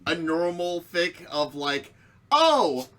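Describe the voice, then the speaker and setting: A woman's voice: medium pitch, sing-song, measured pace, pushed and bright, husky. A woman giving a theatrical comedic reading of fan fiction as narrator, with casual banter.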